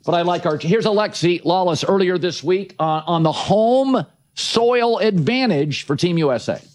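A middle-aged man hosting a sports talk show, his voice sitting a little high for a man. He talks in brash, emphatic bursts of short punchy sentences. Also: expressive, moderate pace, darkish tone. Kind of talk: opinionated sports radio talk.

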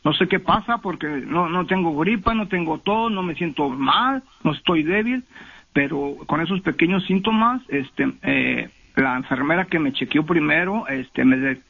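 A man calls in to a radio show to tell his own story, stumbling through it with fillers and restarts. His voice is husky and a little high for a man. He comes through a thin, tinny phone line. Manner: halting, many fillers and restarts. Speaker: caller. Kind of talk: telling a personal story on a call-in show.

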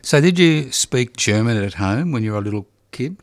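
A man's voice: medium pitch, expressive, normal speed, dry recording. A man whose first language was Sicilian, interviewing an older woman about her childhood with short, chatty questions and backchannels. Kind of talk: oral history interview.

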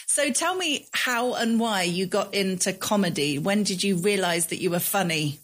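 A woman's voice: mid-range voice, lively intonation, normal speed, fairly bright tone. A woman hosting an afternoon radio interview, friendly in her questions. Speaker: radio host.

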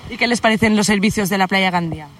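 A woman reporter doing brisk, upbeat live interviews on a beach, often saying "very good" between answers. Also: medium pitch, fairly bright tone. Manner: brisk, upbeat, repeats "muy bien". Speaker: field reporter. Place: outdoors on a beach. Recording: distant, faint outdoor noise.

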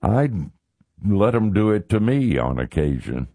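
A man with a deep voice hosting Christian talk radio, speaking in a folksy, deliberate, conversational way with emphatic repetition. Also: big pitch swings, mellow, no room sound, clean studio sound. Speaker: radio talk show host.

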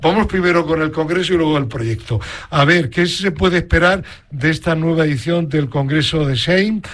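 A man's voice: fairly high pitch, normal speed, a bit bright. A man from southern Spain hosting a radio interview, friendly and chatty with his guest. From Spain, Granada. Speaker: radio host.

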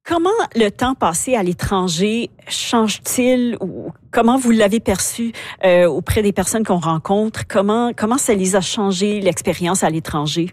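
A woman hosting a radio interview, asking clear and composed questions. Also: medium pitch, unhurried, hardly any pauses, a little mellow, dry recording. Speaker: radio host.

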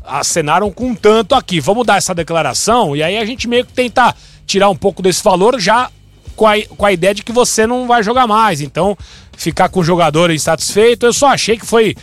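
A man, hosting a sports talk show in a chatty, animated way, with frequent restarts. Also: high voice, brisk, soft background music.

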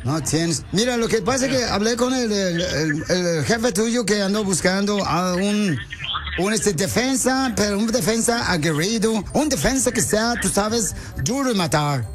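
Male radio host as a fumbling soccer recruiter with broken grammar, high-pitched, faint music under. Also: animated, a little slow. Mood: deadpan prank. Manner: ungrammatical, rambling prank questions. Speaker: radio prank caller.

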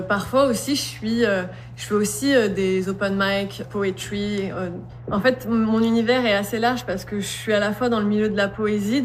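A woman, a slam poet and singer, answering interview questions in an earnest, thoughtful way with many pauses. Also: mid-range voice, a little hiss or hum.

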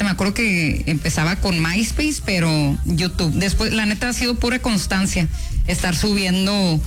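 A woman in her thirties from Nuevo León with a northern Mexican accent, a singer chatting easily as a radio guest. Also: on the low side. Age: 30s. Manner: easygoing, slangy and chatty. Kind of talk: casual radio interview.

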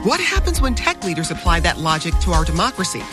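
A woman's voice: fairly low pitch, big pitch swings, fast talker, music in the background. A woman hosting a radio talk show, reading a scripted introduction.

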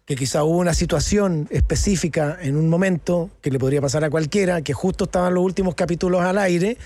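A man's voice: a little high, fast talker, darkish tone, no echo. A man with a Chilean accent, an actor talking candidly in an interview, casual and slangy with lots of fillers and tag questions.

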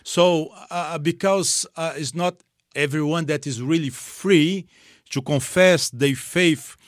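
A man's voice: a little high, steady tone, no room sound, studio quality. Earnest missionary man, English. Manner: earnest, simple second-language English with pauses. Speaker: missionary guest. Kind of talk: interview, personal testimony.

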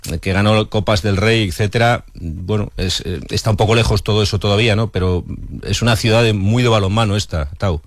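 A man's voice: fairly low pitch, steady tone, brisk, dry recording. A male sports radio interviewer asking questions in a conversational way, often ending with tag questions.

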